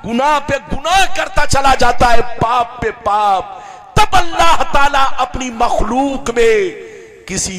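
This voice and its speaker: A man preaching a sermon who keeps calling on the audience to shout replies. He swings between loud declamation and soft, sing-song phrases. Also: sits high. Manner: call-and-response, urging the crowd to repeat loudly.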